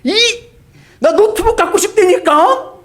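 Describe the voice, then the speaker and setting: Man doing a whiny grown son, insistent, high and lively. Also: a little slow. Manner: whining, insistent. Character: grown college son throwing a tantrum.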